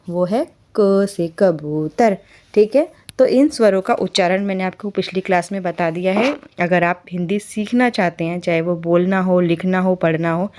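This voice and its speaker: A woman's voice: lowish voice, darkish tone. Patient woman teaching the Hindi alphabet. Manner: patient, repeats key points and asks learners questions; says letters slowly and clearly. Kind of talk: basic Hindi alphabet lesson.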